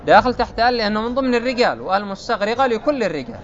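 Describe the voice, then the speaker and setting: High-voiced man teaching grammar, quizzing students. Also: animated, rapid-fire, highs cut off. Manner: explains step by step, quizzes students with repeated checks. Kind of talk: classical Arabic grammar lesson.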